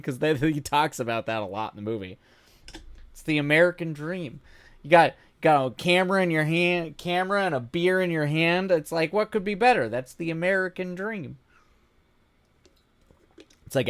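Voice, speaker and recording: A man hosting a casual live stream, rambling with halting restarts and laughing often, his voice starting to go hoarse. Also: medium pitch, no echo. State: voice going hoarse. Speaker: streamer host.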